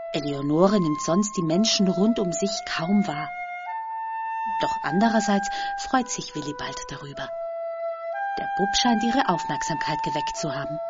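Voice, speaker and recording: A woman reading a children's story aloud as narrator, in a calm storytelling manner. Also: mid-range voice, lo-fi sound.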